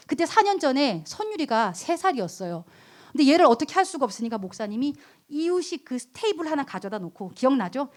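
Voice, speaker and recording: A woman in her thirties preaching to high school students as their youth pastor, asking them questions and acting out quoted voices. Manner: animated, acts out quoted voices, asks the listeners questions.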